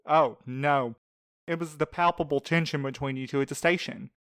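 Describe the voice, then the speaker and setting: A man's voice: fairly high pitch, fairly even intonation, moderate pace, a bit bright, clean tone, dry recording, studio quality, natural voice. A man playing a teasing but supportive friend and coworker in a fiction podcast, with wordy, sarcastic quips. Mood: teasing, friendly. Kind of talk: fiction podcast audio drama acting.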